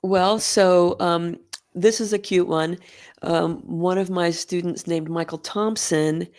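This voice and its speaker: Recorded clean in a studio with no echo, this fairly low, steady voice belongs to a middle-aged Oregon woman who directs a school band. She talks slowly as an interview guest, warmly telling stories and laughing readily.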